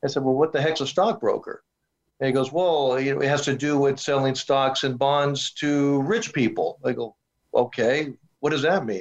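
With an American accent, a man talks at a moderate pace in an ordinary speaking voice, fairly high in pitch with ordinary pitch variation. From East Los Angeles. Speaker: founder of a financial advisory network. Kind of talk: interview.

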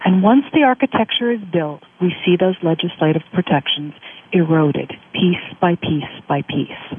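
A woman's fairly low-pitched voice with lively intonation, over noticeable background noise. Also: moderate pace. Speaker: lawyer and civil liberties advocate. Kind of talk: interview on talk radio.

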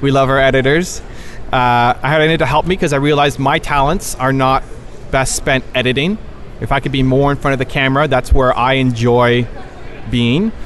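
Speaking at a fairly quick pace, a man keeps his loudness very even and his intonation fairly even at a medium pitch. Room echo is audible, along with noticeable background noise. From Canada, Toronto. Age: 30s. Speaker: entrepreneur and business speaker. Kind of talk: interview. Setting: conference venue.

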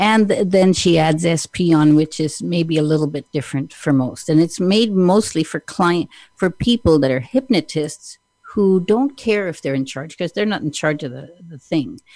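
Fairly low in pitch, a woman speaks at a moderate pace with a Canadian accent and a dark, mellow tone. Her intonation is lively, with big swings in loudness. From Canada. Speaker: radio show host and hypnotherapist. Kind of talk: casual interview chat.

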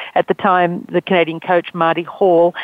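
Speaking at a moderate pace, a woman with an Australian accent has a fairly low pitch. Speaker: former athlete and author. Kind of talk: radio interview.

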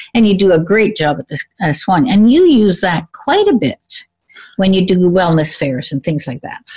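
A woman with a medium pitch talks at a moderate pace in a warm, upbeat, somewhat breathy tone, her intonation lively and the sound dry and close with no echo. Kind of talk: radio interview hosting. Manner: warm, chatty, upbeat.

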